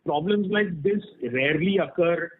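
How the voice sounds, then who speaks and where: A man's voice: fairly high pitch, moderate pace. Muffled call-line man, frank executive. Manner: frank, explanatory, often checks with "right?". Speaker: company executive answering analysts' questions. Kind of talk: earnings call question-and-answer, spontaneous explanation. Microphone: conference call. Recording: muffled band-limited conference call line.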